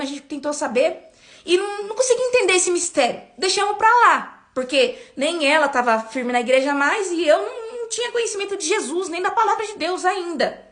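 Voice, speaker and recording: High-voiced Brazilian woman telling her testimony. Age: 20s. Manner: animated storytelling with repeated words. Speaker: church member giving testimony. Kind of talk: personal faith testimony.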